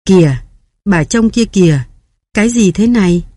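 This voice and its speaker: A woman's voice: medium pitch, expressive, moderate pace, warm tone, no room sound, lightly acted. Old mother in grief, wailing and bewildered, read by a woman, storybook, dry close sound. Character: grieving old mother at her son's grave.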